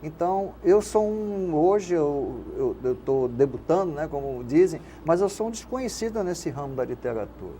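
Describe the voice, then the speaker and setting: Guesting in a casual interview, an older man from Rio de Janeiro who is a radio station manager and poet speaks in a Carioca Brazilian Portuguese accent. His warm, highish voice is animated, at normal speed with few pauses, as he rambles reflectively and tags sentences with "né?", over faint background noise.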